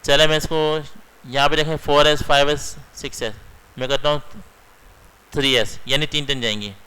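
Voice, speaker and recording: A young male computer instructor teaches a screen-recorded computer lesson, explaining each step and frequently checking in with his students using "theek hai". His fairly high voice has fairly even intonation, normal speed, and a pushed, bright, clear, resonant tone, though the audio is poor.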